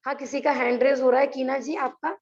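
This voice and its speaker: Earnest high-voiced woman teaching scripture. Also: little pitch movement, fairly quick, darkish tone, lo-fi sound. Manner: earnest, rhetorical questions. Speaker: religious teacher. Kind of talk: online scripture class.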